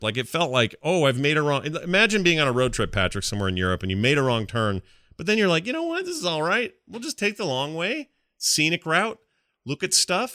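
A man chatting casually as a gaming podcast host, animated and jokey, often acting out imagined bits of dialogue. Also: fairly high pitch, no echo, studio quality.

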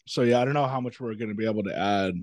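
A man's voice: fairly low pitch, very fast, darkish tone. A man reacting casually to comedy clips, talking in a loose way and swearing freely. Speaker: video reactor.

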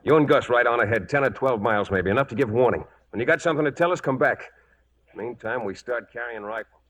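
An actor playing a stern, guarded trail boss with an American accent, speaking in curt commands in a radio western. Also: male voice, mid-range voice, fast talker, fairly bright tone, lightly acted. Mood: commanding. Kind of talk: 1940s radio western acting. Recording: faintly noisy vintage radio recording.

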